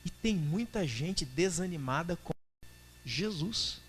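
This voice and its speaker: A man's voice: a little high, lively intonation, slow, slight background noise. A male pastor with a Brazilian Portuguese accent preaching a colloquial sermon, often acting out dialogue.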